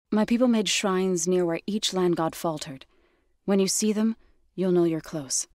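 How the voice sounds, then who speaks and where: A woman playing a gentle, resolute tribal warrior in a video game, speaking in a measured, solemn, softly sincere way. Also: on the low side, dry recording, clean studio sound, natural voice. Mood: solemn, reflective. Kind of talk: scripted game character dialogue. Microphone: close studio microphone.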